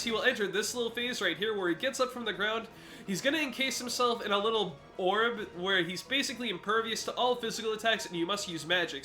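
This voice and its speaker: A congested man giving let's play commentary, explaining a game boss fight step by step to viewers. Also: high-pitched. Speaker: gaming commentator.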